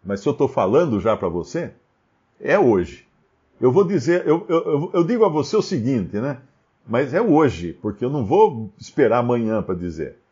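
A man's voice: medium pitch, very animated, moderate pace, warm tone. A man with a Brazilian Portuguese accent giving a Bible study commentary, firing rhetorical questions and often restarting his sentences. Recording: slightly dull lo-fi recording.

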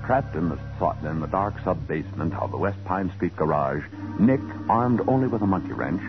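A man's voice: low-pitched, animated, normal speed. A man narrating a vintage radio drama as its announcer, with a dramatic, emphatic scripted delivery. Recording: muffled old radio recording, organ music behind.

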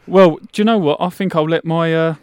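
Halting higher-pitched man. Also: fairly even intonation, darkish tone, clean tone, no echo. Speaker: radio show panellist. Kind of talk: casual chat.

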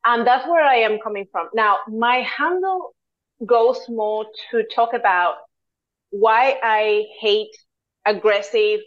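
A woman's voice: on the high side, takes it slowly, highs cut off. A woman in her thirties from Venezuela, a dietitian guest on a podcast, explaining her approach earnestly at length with restarts. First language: Spanish. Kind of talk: podcast interview.

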